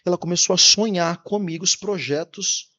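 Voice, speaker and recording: A man from Paraná, Brazil, a Catholic speaker in an interview, telling his story in a lively way, acting out the dialogue and laughing often. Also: high-pitched, normal speed, dull audio.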